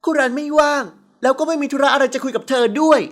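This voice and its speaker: A woman's voice: sits high, fairly even intonation, drawn-out words, pushed and bright, pitched above the performer's own voice, full character voice. A woman voicing a scornful, hostile young female secretary in an audiobook. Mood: sneering. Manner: sneering, scornful.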